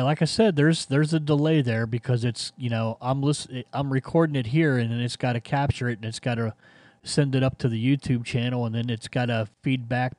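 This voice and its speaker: A man's voice: medium pitch, a little mellow, no room sound. Man in casual radio chat. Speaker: amateur radio operator streaming the contact.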